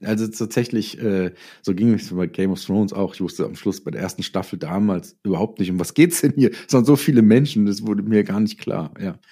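A man with a low, mellow, slightly breathy voice speaks fairly quickly with few pauses. He's a writer and audio drama maker being interviewed, explaining things casually through hypothetical examples and acted-out quotes.

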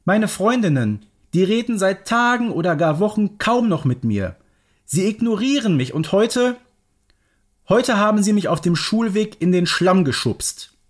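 Storybook young witch read by a man: bullied, vulnerable, brave, higher register, animated melody. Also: unhurried, full character voice. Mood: tearful, hurt. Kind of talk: children's audio story reading.

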